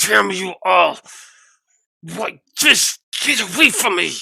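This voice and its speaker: A put-on character voice growls its lines. The pace is fairly slow. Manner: growling, angry.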